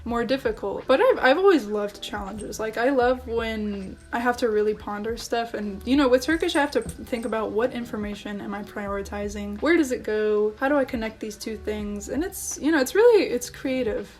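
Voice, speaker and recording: A chatty young woman in her twenties talks straight to the camera from her living room, her voice sitting a little high. She is animated and excitable, with lots of filler words. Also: brisk, hardly any pauses. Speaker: language-learning vlogger. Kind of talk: casual chat to camera.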